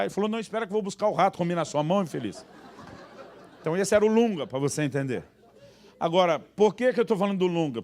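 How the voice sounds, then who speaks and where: A male pastor preaching a humorous sermon, telling anecdotes and acting out the voices in them. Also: on the high side. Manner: animated, acts out voices in anecdotes.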